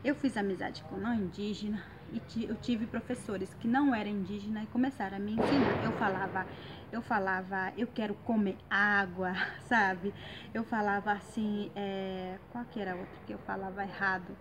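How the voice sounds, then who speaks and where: A woman whose first language is Guarani, with a Guarani accent, teaching phrases in a casual online lesson, slowly repeating each phrase with frequent hesitations. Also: mid-range voice, steady tone, a bit bright, a little hiss or hum, rough recording.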